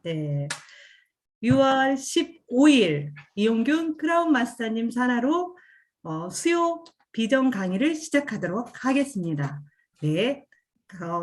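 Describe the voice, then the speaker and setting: A woman hosting a formal online event over a video call, an upbeat announcer rallying the audience. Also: fairly high pitch. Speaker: event host.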